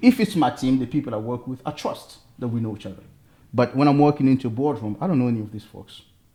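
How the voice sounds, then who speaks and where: With an African accent, a man speaks at a very fast pace and medium pitch, with a dark, mellow tone and ordinary pitch variation. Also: big swings in loudness. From Congo. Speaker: tech executive. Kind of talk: interview.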